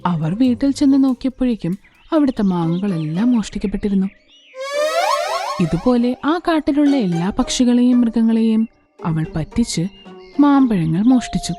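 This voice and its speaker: A woman's voice: medium pitch, mellow. A woman narrating a children's story as a scripted storyteller.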